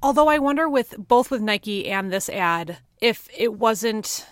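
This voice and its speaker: A woman's voice: on the high side, expressive, measured pace, no echo. Woman cohost chatting on a podcast, earnest, upbeat, dead dry room. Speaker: podcast co-host. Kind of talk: casual podcast chat.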